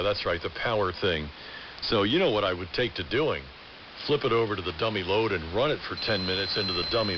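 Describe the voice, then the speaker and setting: A man chatting casually and technically as a ham radio operator over AM shortwave, explaining things with halting asides. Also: fairly low pitch. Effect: AM shortwave radio transmission. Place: amateur radio station, heard through a receiver. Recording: muffled, hissy shortwave radio reception.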